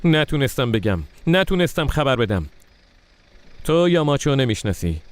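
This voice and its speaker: A man's voice: medium pitch, very animated, dry recording, close to an everyday voice. A man voicing a defensive gang associate. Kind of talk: dubbed TV drama.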